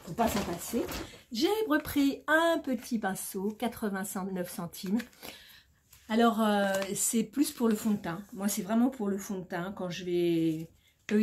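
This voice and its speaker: A middle-aged woman talks in a chatty, informal way straight to her viewers, in the style of a casual haul vlog. Her pitch is average for a woman. She is recorded in a small room at home, a little way the camera, with faint noise. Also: darkish tone. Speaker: shopping haul vlogger.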